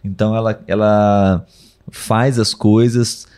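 A man co-hosting a casual live podcast, relaxed and chatty, often adding "né?". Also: lowish voice, slow, smooth. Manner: relaxed, many "né?" tags, reads viewer comments. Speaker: podcast co-host.

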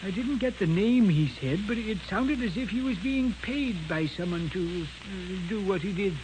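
Cautious, high-voiced ship's doctor. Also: male voice, animated, moderate pace. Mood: calm, cautious. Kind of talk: 1940s radio acting. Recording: noisy, hissy 1940s radio recording.

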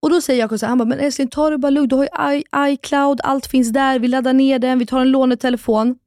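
This is a woman in her thirties with a fairly high voice, chatting on a podcast and acting out what people said as she tells her story. The recording is dry and close to the mic. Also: no room sound. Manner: animated storytelling, acts out quotes, swears casually. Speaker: podcast co-host. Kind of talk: casual chat.

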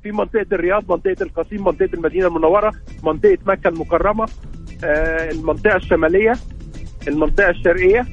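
A man's voice: high voice, racing, soft background music. A man from Saudi Arabia calling in to a radio quiz over the phone, answering hesitantly and thinking aloud. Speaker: radio call-in caller. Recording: muffled phone line.

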